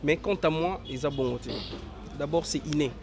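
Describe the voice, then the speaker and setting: A young man from Congo with a hoarse voice from a cold, answering interview questions outdoors in a halting, filler-heavy way. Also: on the high side, a crowd in the background. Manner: hesitant, many fillers and restarts. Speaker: interview guest, actor. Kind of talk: casual interview, mixing French and Lingala.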